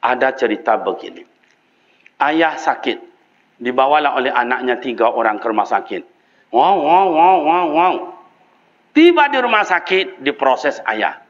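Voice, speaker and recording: An older man with a Minangkabau accent giving a sermon in a mosque, telling stories in a lively way with sudden leaps up in pitch and often turning to address his listeners directly. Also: unhurried, pauses often, highs cut off. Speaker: preacher.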